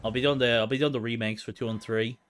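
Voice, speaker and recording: Bright-voiced man streaming a game. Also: mid-range voice, fairly even intonation, fast. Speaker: video game live streamer. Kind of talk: casual gaming livestream commentary. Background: horror game sound.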